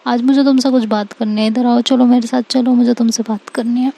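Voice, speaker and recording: Woman voicing a bossy teen senior girl, insistent, scolding, mellow high voice, storytelling. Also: little pitch movement, brisk, creaky. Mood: pleading. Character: teenage girl Sarita, bossy jealous senior.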